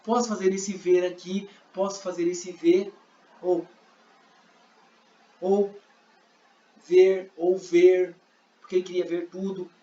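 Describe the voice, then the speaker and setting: A man with a Brazilian Portuguese accent teaches a sign language interpreting class, acting out scenes and giving examples. His voice sits high and mellow, flat and unhurried, with frequent pauses. The sound is roomy, dull and lo-fi.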